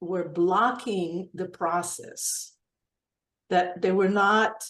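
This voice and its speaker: A woman speaks with an Israeli accent. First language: Hebrew. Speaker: workshop participant. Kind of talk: group discussion. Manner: halting.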